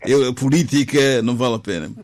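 A man from Mozambique hosting a radio show, chatting in a relaxed, friendly way with many hums. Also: mid-range voice, fast. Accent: Mozambican Portuguese. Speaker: radio host. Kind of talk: casual radio chat.

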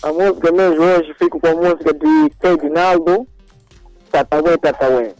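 Rambling young radio caller. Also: male voice, fairly high pitch, steady tone, a little slow, a little mellow, dry recording, soft background music, poor audio. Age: 20s. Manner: repeats "mesmo" constantly, rambling.

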